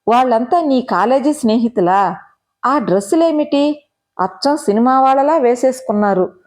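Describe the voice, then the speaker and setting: A woman's voice: on the high side, mellow, close to an everyday voice. A woman voicing a stern elderly grandmother who lectures and warns in a traditional, scolding way. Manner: lecturing, warning tone.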